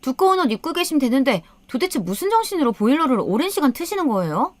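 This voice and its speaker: A woman voicing a sharp-tongued young daughter-in-law who snaps and nags with contempt, in a storytelling recording. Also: sits high, very animated, fast talker, no room sound, pitched above the performer's own voice. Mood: scolding. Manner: snapping, nagging, contemptuous.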